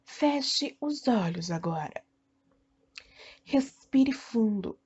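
A Brazilian woman leading a guided meditation in a soothing, deliberate way, speaking in short phrases with long pauses. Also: on the high side, animated, a little mellow, husky, highs cut off. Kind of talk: guided meditation, self-hypnosis narration.

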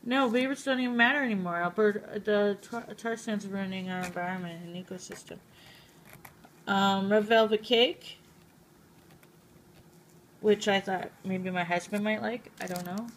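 A woman's voice: medium pitch, normal speed, long pauses. Groggy chatty woman on noisy video. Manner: rambling, giggly, playful. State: just woke up, groggy. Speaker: vlogger. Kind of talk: casual haul vlog.

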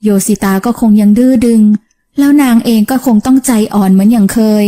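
A woman narrating a romance novel for an audiobook in a gentle, even storytelling manner. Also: a little high, fairly quick.

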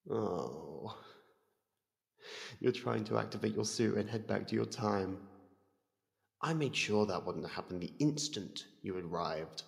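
An ancient entity of the void, acted out by a man in an ASMR drama, calm, menacing and condescending toward its prey. The voice is low and creaky, and each phrase comes very slowly and deliberately. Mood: scornful, menacing. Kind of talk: ASMR monologue roleplay. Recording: cavernous long reverb.

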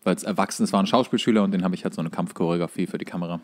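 A man with a fairly low voice chats as a podcast co-host. His delivery is casual and conversational, with dry, ironic humour. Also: fairly even intonation, rapid-fire. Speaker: podcast co-host, stage fight choreography instructor. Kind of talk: casual banter.

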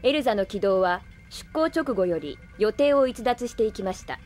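A woman playing an emotionless female android in an anime audio drama, speaking in formal, precise, deadpan reports. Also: medium pitch, moderate pace, lightly acted. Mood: detached.

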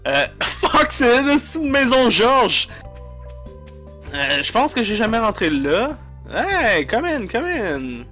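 A man with a Quebec French accent chats through a video game, excitable and profane, switching freely into English slang. His voice sits high for a man. Faint music plays in the background. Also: slow. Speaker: let's play gamer. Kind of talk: casual gameplay commentary.

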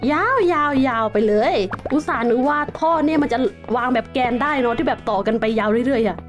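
A woman's voice: fairly high pitch, quick pace, soft background music. A young woman host chatting through her gameplay, exclaiming often and calling herself by name. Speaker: gaming channel host. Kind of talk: Minecraft gameplay commentary.

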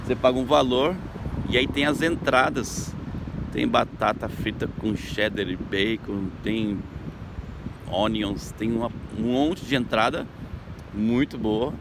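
A man's voice: mid-range voice, steady tone, unhurried. Chatty man outdoors by traffic. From Brazil. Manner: chatty, upbeat, talks to viewers directly. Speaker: local tour guide vlogger. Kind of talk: casual vlog narration. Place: beach boardwalk outdoors at sunrise. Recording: outdoor phone recording with traffic noise.

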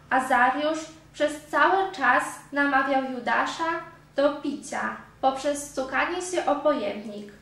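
High-voiced woman narrating a story. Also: fairly bright tone. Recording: very echoey room, far from mic.

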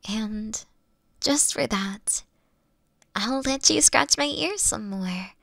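Woman voicing a playful fox-witch girlfriend, roleplay audio, affectionate, coy, breathy, drawn-out delivery, close dry recording. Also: on the high side, lively intonation, fairly bright tone, no echo, full character voice. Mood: shy, tender. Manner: coy, tender, halting.

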